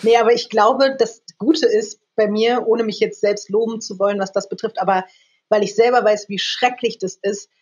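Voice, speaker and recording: A woman's voice: medium pitch, fairly even intonation, normal speed, husky, muffled recording. A woman in her thirties, a guest on a podcast, talking at length and laughing often. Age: 30s. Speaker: guest, presenter and author. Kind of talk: casual interview.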